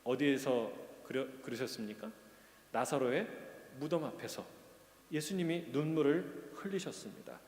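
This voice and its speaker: A man's voice: medium pitch, moderate pace, a little mellow. A male pastor preaching a sermon, earnest and questioning, rising to emphatic peaks. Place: church sanctuary. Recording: echoey church hall.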